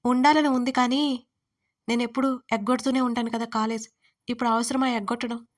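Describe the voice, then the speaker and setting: A woman voicing a chatty young college girl who loudly teases her best friend. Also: fairly high pitch, little pitch movement, brisk, lightly acted. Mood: teasing.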